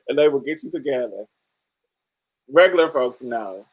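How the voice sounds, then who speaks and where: A woman with a deep voice hosting a casual podcast chat, telling stories with frequent laughter and calling the listener honey and baby. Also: husky. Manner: animated storyteller, laughs often, calls listeners honey and baby. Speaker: podcast host.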